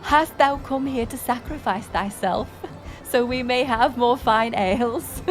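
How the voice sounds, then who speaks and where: A woman's voice: fairly high pitch, faint music behind, natural voice. A woman playing a playful, curious village woman in a romantic audio roleplay, speaking in archaic thee-and-thou English. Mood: teasing, puzzled. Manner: archaic thee-and-thou speech, slow and musing. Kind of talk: romantic audio roleplay acting addressed to the listener.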